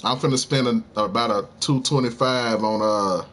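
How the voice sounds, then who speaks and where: A man's voice: mid-range voice, normal speed, fairly bright tone, slight background noise. A man streaming a game, chatting casually and heatedly with his viewers, using lots of slang as he argues about sports. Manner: talks straight to viewers. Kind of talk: casual live-stream chat.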